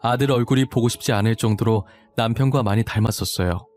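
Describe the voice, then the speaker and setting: A man narrating a first-person story in a confessional, expressive way. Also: medium pitch, fast, faint music behind.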